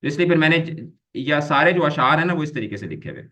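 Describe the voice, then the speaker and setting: A male grammar teacher gives a recorded lecture aimed at exam students. His voice sits slightly high and sounds bright and forward. He explains step by step, repeats each term and slips English words into his sentences. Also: very animated, fast talker. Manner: explains patiently, repeats key terms, acts out examples; mixes English terms into explanations.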